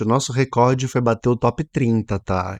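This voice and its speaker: Recorded very cleanly against a silent background, with a dry, close sound and no echo, a man speaks at a medium pitch with ordinary pitch variation. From southern Brazil, Florianópolis. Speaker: psychologist podcast co-host. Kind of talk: casual chat.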